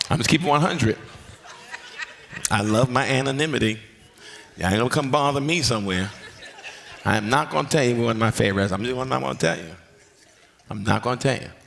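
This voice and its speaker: Through noticeable background noise, a medium-pitched man talks at a very fast pace in an animated tone with lively intonation and long, frequent pauses. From New York. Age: 50s. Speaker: pastor. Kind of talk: casual teaching discussion with audience.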